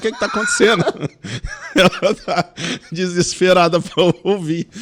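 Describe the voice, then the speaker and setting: Over noticeable background noise, a man talks in an animated tone at a moderate pace, with ordinary pitch variation and long, frequent pauses. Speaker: naturopathic health specialist and pharmacist. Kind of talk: interview storytelling. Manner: repetitive, halting.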